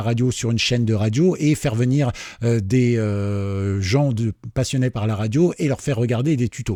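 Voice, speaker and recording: Recorded dry and close with no echo and a silent background on a very clean recording, a man speaks at a moderate pace in a medium pitch with a dark, mellow tone and ordinary pitch variation. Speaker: webradio trainer and YouTuber. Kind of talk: casual talk to camera. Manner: conversational, relaxed, with filler words.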